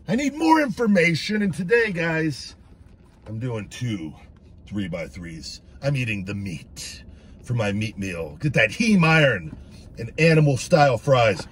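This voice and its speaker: A man's voice: mid-range voice, very animated, unhurried, a little hiss or hum. A middle-aged man vlogging a food review from inside his parked truck, swearing a lot and making fun of himself in a rambling way. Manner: crude, self-mocking, rambling. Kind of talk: casual profane car vlog.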